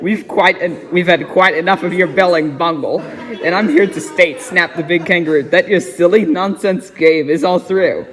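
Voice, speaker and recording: High pitched guy reading a rhyming kids book dramatically, trips on words a bit, really echoey. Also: moderate pace, a bit bright. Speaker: storybook reader. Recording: echoey, very reverberant room.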